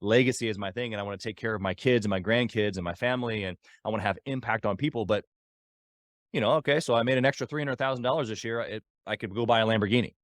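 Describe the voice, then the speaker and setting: A man's voice: on the low side, fast talker, no room sound, studio quality. A man hosting a podcast interview, speaking in an enthusiastic, affirming, motivational way. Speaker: podcast host.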